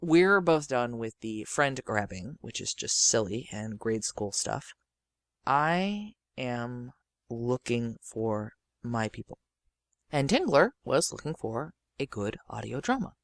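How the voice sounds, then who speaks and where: A woman's voice: very deep voice, sing-song, slow, dry recording, clean studio sound. A woman hosting a podcast, giving an introduction in a theatrical, effusive storytelling manner. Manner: theatrical, effusive, quotes others in acted voices. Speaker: podcast host and audio drama creator.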